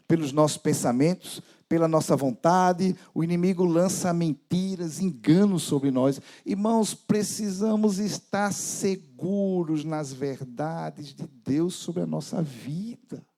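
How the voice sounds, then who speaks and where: A man preaching a sermon as pastor, dramatic, with sudden soft drops in his voice. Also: fairly high pitch, a little slow, few pauses.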